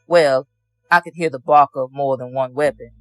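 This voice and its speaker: A man's voice: mid-range voice, fairly even intonation, moderate pace, a bit bright, no echo. A man giving courtroom testimony as a witness, answering in a plain, matter-of-fact way.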